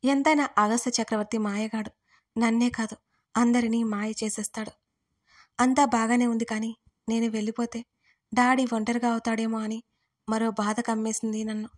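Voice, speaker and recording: Woman narrating a romance story, higher voice. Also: level tone, moderate pace, pauses often, a little mellow. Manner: intimate, emotional storytelling voice. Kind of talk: first-person scripted romance narration.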